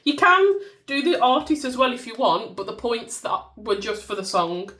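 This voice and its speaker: Female, Black Country accent, highish voice, stuffy with a cold and nasal; informal, chatty product walkthrough. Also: sing-song, moderate pace, bright, forceful tone. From Black Country, England. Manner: informal, self-deprecating, given to singing bits. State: bunged up with a cold. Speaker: small-business content creator showing her products.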